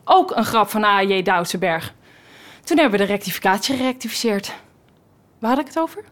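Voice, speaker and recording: An actress playing an excitable, scatterbrained editor-in-chief of a small local paper who rambles dramatically in a radio comedy. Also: female voice, medium pitch, fairly quick, natural voice. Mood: rambling. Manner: rambling, dramatic, talks herself off track.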